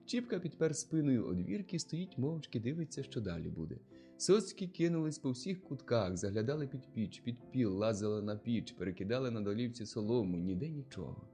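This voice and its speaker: A man narrating a classic novel as an audiobook in an expressive, steady storytelling manner. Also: medium pitch, a little fast, faint music behind.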